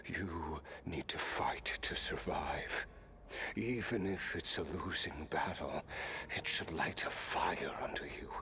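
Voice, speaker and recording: A man playing a weary, stoic immortal warrior in a video game, speaking in a measured, wry way. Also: extremely low pitch, pushed and bright, in a whisper, exaggerated voice. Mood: wistful, reflective. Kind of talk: scripted game character dialogue.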